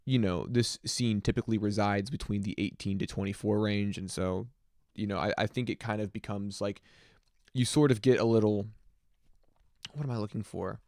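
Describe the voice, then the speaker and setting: A man's voice: on the low side, steady tone, normal speed, a little mellow, dry recording, clean studio sound. Rambling young man on a livestream. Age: 20s. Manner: rambling, reflective, filler-heavy. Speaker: music streamer. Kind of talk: casual livestream chat.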